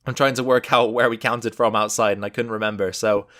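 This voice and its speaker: A man's voice: lowish voice, fairly even intonation, fairly quick, a bit bright. A man giving casual gameplay commentary as a let's play host, thinking aloud and explaining each step as he goes.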